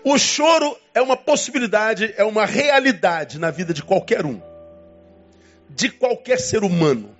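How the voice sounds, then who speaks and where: A man preaching a sermon as pastor, emphatic, with dramatic swings in pitch and long pauses. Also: lively intonation, muffled recording, faint music behind.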